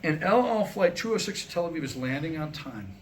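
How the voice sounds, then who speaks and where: A man's voice: fairly high pitch, very animated, fairly quick. A man telling Jewish jokes to a small live gathering as a storyteller, acting out the dialogue. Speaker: joke teller at a staged script reading. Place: live staged reading in a room. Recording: noisy live room recording.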